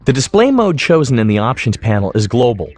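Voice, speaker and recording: A man giving an explanatory tutorial voice-over as an instructor, speaking in a measured, methodical way. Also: mid-range voice, big pitch swings, darkish tone. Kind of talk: explanatory screen-recording narration.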